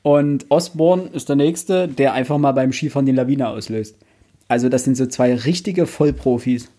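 This podcast co-host has a warm, medium-pitched voice and a moderate pace. In a relaxed chat about books, he's plainspoken and blunt, with the occasional mildly crude remark.

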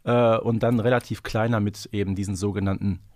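A man's voice: on the low side, steady tone, fairly quick, a little mellow, no echo, clean studio sound. A man co-hosting a podcast, thinking aloud and explaining in a casual, analytical discussion. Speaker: podcast co-host. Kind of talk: casual analytical discussion of an audio drama series.

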